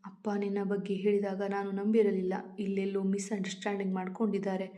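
Heartbroken young bride, read by a woman: pleading, emotional, dark and flat. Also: mid-range voice, fast talker, lightly acted.

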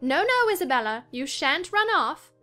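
A woman playing a spirited, mocking young gentlewoman in a dramatized audiobook, teasing theatrically. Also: sits high, very animated, moderate pace, faint music behind, full character voice. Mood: gleeful mockery.

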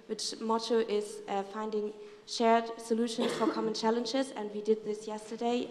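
A young woman student giving earnest, measured closing remarks with fillers, in a large hall. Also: a little high. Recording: echoey hall, long reverb.

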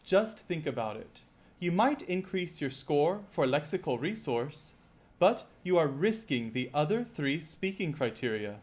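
Man with a slightly high teaching voice. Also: sing-song, a little mellow. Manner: clear, measured, poses rhetorical questions to the viewer. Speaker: IELTS teacher. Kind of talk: scripted teaching talk.

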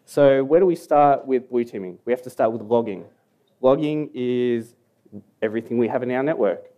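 A man's voice: medium pitch, moderate pace, muffled recording. A young Australian man with an Australian accent, giving a casual, joking conference talk that mumbles at times in a hall. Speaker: security conference speaker.

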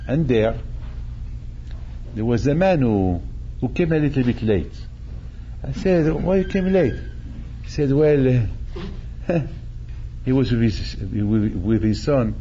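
A man's voice: medium pitch, animated, slow pace, long pauses, dark tone, muffled recording, slight background noise. An older man, a rabbi, preaching animatedly, repeating phrases and acting out quotes, speaking into a stand mic in a synagogue hall. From Morocco. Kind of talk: sermon. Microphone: stand mic at chest.

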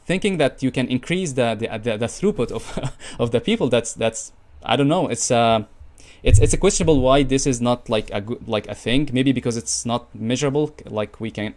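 A man's voice: medium pitch, darkish tone. A young man hosting a video call interview, thinking aloud with many fillers and searching phrasing. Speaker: podcast host. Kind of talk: casual interview conversation. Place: home room, video call.

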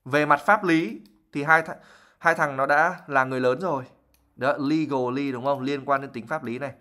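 A man's voice: medium pitch, moderate pace, sharp tone. Brief: male language teacher, patient explainer, lots of fillers, livestream lesson. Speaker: English teacher.

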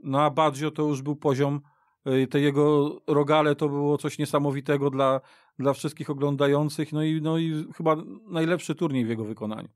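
A man discussing football as a guest pundit on a radio podcast, haltingly, repeating and restarting words. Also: fairly high pitch, fairly even intonation, no echo, studio quality. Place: radio studio.

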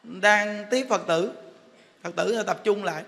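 A man's voice: high-pitched, slow, gravelly, sharp tone. A middle-aged man with a Southern Vietnamese accent giving a humorous sermon as a monk, joking and teasing like a chatty storyteller. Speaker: monk giving a dharma talk. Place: temple hall. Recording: long hall reverb.

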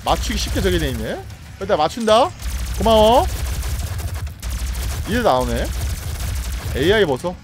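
Man, gaming streamer, let's-play commentary, high voice, teasing the enemies, game music behind. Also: very animated, normal speed, long pauses. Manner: playful, taunts and coaxes the enemies he fights. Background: game music and effects.

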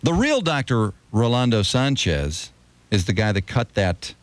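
An American man banters casually as a morning radio host, close on a broadcast studio mic and wearing headphones. His medium-pitched voice is sing-song and unhurried, with no room sound.

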